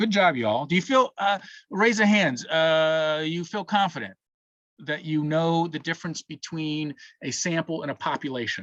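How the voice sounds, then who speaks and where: A man's fairly high-pitched, an ordinary speaking voice at a moderate pace, with dry, close sound with no echo and a quiet background. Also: lively intonation. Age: 30s. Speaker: college statistics instructor. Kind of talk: online lecture.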